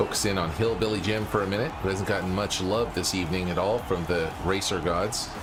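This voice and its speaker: Over noticeable background noise and audible room echo, a man with a very deep, low pitch talks at a fairly quick pace with hardly any pauses, fairly even intonation and very even loudness. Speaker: live streamer hosting game races. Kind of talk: live commentary. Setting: live stream.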